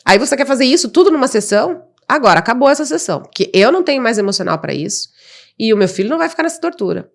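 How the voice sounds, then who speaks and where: A woman's voice: fairly high pitch, sing-song, racing, creaky. A Brazilian woman speaks in an outspoken, impassioned way as a podcast guest. She tells her story as a mother bluntly, with no filter. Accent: Brazilian Portuguese. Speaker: guest, mother of an autistic child. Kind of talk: emotional storytelling in a podcast interview.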